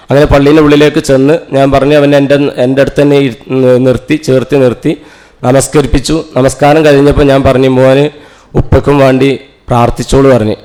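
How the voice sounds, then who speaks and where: Fast-talking man. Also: medium pitch, darkish tone, poor audio. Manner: fast, earnest, with frequent restarts. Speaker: teacher giving a talk at a cultural centre. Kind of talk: emotional storytelling speech.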